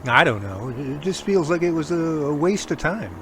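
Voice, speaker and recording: A man's voice: a little high, sing-song, moderate pace, background noise. A man playing a skeptical, wry investigator's sidekick in an audio drama, with a questioning, dry manner. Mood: wry, doubtful. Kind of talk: amateur audio drama dialogue.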